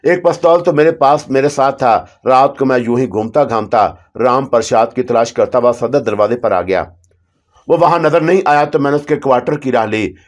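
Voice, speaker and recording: A man's voice: mid-range voice, normal speed. Man narrating a horror story.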